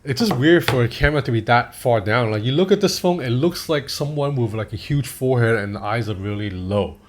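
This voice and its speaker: A man's voice: medium pitch, lively intonation, fairly quick. A man in his thirties from Hong Kong, giving a casual, candid phone review that drifts into personal asides and loose swearing. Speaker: tech reviewer.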